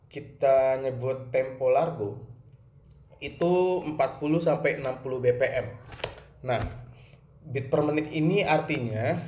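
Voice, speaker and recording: A man's voice: on the high side, darkish tone. Man explaining a music lesson. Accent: Jakarta Indonesian. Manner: explains plainly, asks and answers his own questions, sings short examples. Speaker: music teacher. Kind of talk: recorded lesson for students. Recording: roomy with faint ambience.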